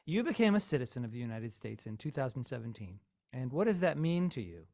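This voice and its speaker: A man hosting an interview, asking measured questions and affirming his guest's answers. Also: mid-range voice, sing-song, gravelly, warm tone, no echo, studio quality. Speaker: interviewer host.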